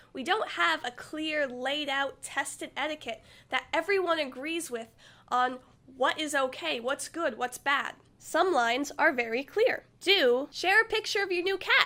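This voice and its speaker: Bright and sharp, a woman's high-pitched voice is raised and projected at a fairly slow pace. The recording is very clean, with a silent background. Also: lively intonation. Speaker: vlogger. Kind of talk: casual vlog monologue.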